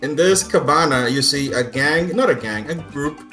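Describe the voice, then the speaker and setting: A man narrating a tabletop game as game master, improvising descriptions in a halting, conversational way with casual asides. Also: on the high side, animated, fairly bright tone. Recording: roomy echo, music underneath.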